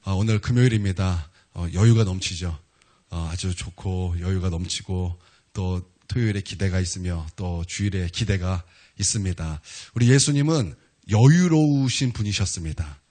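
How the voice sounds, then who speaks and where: A man's voice: low-pitched, moderate pace, darkish tone. A man preaching a sermon as a pastor. He tells stories casually and with humor, using many fillers, and builds to emphatic declarations.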